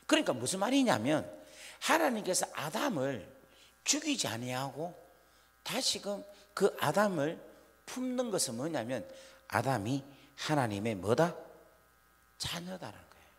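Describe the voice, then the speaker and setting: A man's voice: a little high, sing-song, unhurried, gravelly, pauses often. A man preaching a revival sermon in a church, questioning the congregation and acting out scolding parents. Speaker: pastor. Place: church sanctuary. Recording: long church hall reverb.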